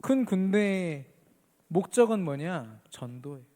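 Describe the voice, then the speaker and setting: A man's voice: high voice, big pitch swings, unhurried, dark tone, big-room sound. A man preaching an earnest sermon as pastor at a midweek church service, lifting his voice on key phrases.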